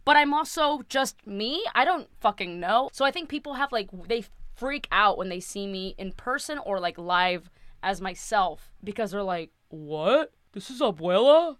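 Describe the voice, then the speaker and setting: A woman's voice: medium pitch, moderate pace, a bit bright, clean tone, no echo. A young woman, co-hosting a casual podcast chat, laid-back and swearing freely. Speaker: podcast co-host and content creator.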